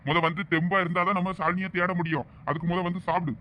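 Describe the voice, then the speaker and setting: A man playing a calm, caring friend who coaxes and reassures in a village drama. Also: sits high, quick pace, slight background noise. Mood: reassuring. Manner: coaxing, reassuring.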